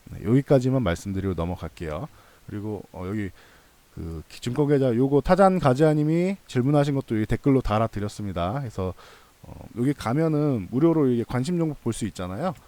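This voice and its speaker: A man with a medium-pitched, mellow voice speaks a little fast with lively intonation, recorded dry. He hosts a stock analysis channel and explains things to viewers casually and reassuringly, repeating points for emphasis.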